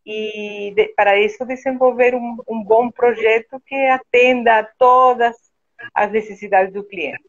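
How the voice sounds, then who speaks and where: A woman with an Argentine Spanish accent, a guest architect speaking slowly and hesitantly with many fillers in a casual conversation. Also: fairly high pitch, steady tone, muffled recording. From Argentina (Buenos Aires), born in Brazil. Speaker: guest, architect and interior designer.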